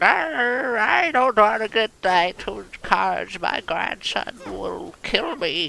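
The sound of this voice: A put-on character voice at a fairly high pitch speaks very slowly, with hardly any pauses.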